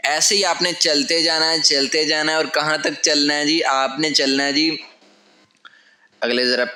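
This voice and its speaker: A man's voice: on the high side, steady tone, unhurried, pushed and bright. A man teaching a lesson at a whiteboard. He explains patiently, step by step, and repeats his key phrases. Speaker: language teacher. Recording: echoey room.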